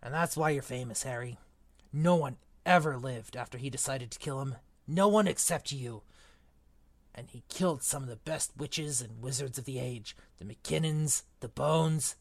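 A man playing a big, gruff but kindly half-giant groundskeeper who talks in blunt, folksy, ungrammatical speech. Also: medium pitch, measured pace, no room sound. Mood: sad, earnest. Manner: rough folksy grammar, blunt. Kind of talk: audiobook character reading.

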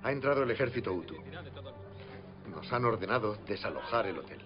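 A man's voice: lowish voice, expressive, fairly quick, lightly acted. An actor playing a courteous hotel manager and father who pleads under pressure, in a film dub. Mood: grave. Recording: dull film soundtrack with loud music.

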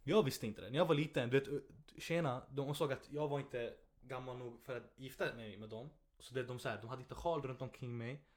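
A man's voice: mid-range voice, hardly any pauses. A young man hosting a podcast, telling stories in casual chat and laughing often. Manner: animated storyteller, laughs often. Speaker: podcast host.

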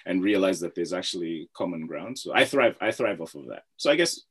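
A man's voice: deep voice, lively intonation, fairly quick, fairly bright tone, breathy edge. A man from Zambia, a guest chatting casually in an interview, often repeating words and laughing easily.

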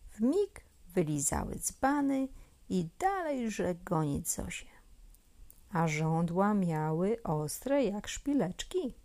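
Woman reading a kids story, slow and gentle, gravelly voice, half whispering sometimes. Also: medium pitch. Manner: gentle and expressive, often dropping to a near whisper. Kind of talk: children's story read aloud.

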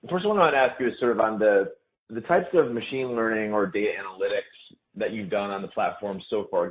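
A man asking questions as a financial analyst on an earnings call. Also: lowish voice. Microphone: phone. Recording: tinny, narrow phone line.

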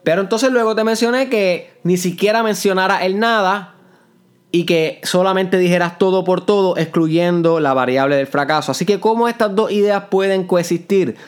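A man's voice: sits high, normal speed, clear, resonant tone. Puerto Rican man, earnest podcast host. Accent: Puerto Rican Spanish. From Puerto Rico. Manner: earnest, explanatory, mixes in English words. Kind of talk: motivational podcast monologue. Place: parents' house in the countryside. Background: neighbor's old music and roosters.

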